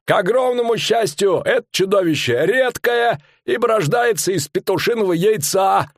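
A boastful, bellowing fairground barker with rustic old-fashioned speech, drawing out his words to draw a crowd. His voice sits very high and swings wildly up and down. The sound is dry and close. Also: expressive, gravelly, dry recording, exaggerated voice. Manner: bellowing, drawn-out showman's patter. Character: loud middle-aged male fairground barker, boastful.

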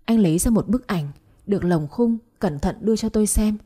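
Soft, breathy woman narrating a story. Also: mid-range voice, fairly quick. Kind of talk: first-person story narration.

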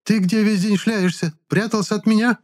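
A man voicing a hysterical young woman who shouts, whines and pleads through tears. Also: steady tone, normal speed, lightly acted. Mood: shrill, furious. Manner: shrill, shouting, whiny. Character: hysterical young woman, shrill, demanding, tearful.

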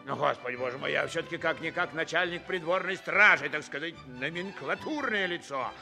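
An actor playing a boastful, clownish chief of the palace guard, pompous and stumbling over grand words in theatrical comic dialogue on a 1960s radio recording. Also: male voice, fairly high pitch, brisk, gravelly, over music. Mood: pompous bragging.

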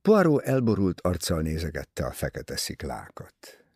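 A man narrating an audiobook with an expressive, dramatic delivery. His voice is low, gravelly and husky, and it rises and falls widely. The recording is dry and close. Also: dry recording. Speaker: audiobook reader. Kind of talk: scripted narration.

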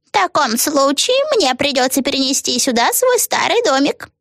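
A woman voicing a scheming old witch who talks in a drawn-out, falsely tender sing-song. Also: high-pitched, animated, no room sound, studio quality, voice pushed up. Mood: sugary sing-song.

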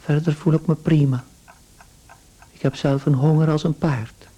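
A man's voice: fairly high pitch, fairly even intonation, moderate pace, warm tone, natural voice. An actor playing a weary, anxious salesman turned insect, muttering to himself in a radio play monologue.

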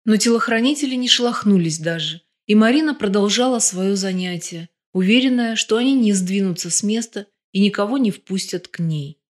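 Woman audiobook narrator, steady expressive read of a crime novel. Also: mid-range voice, brisk, few pauses.

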